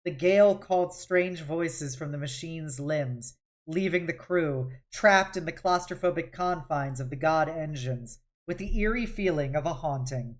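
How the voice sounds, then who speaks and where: Low-voiced woman reading a novel aloud. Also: a little slow. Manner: dramatic, with occasional stumbles and self-corrections. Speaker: streamer hosting a read-along. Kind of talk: expressive audiobook-style novel reading.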